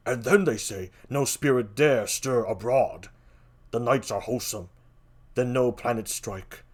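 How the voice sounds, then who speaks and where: A man's voice: mid-range voice, lightly acted. A man voicing an awed, pious soldier on watch in a stage tragedy, reciting reverently in a Shakespearean style. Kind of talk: theatrical Shakespearean reading.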